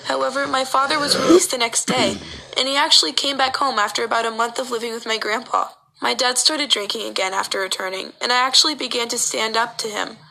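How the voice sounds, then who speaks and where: Earnest woman narrating with a gravelly edge. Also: a little high, quick pace, poor audio. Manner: earnest, steady personal storytelling. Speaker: story narrator. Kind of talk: first-person story voice-over.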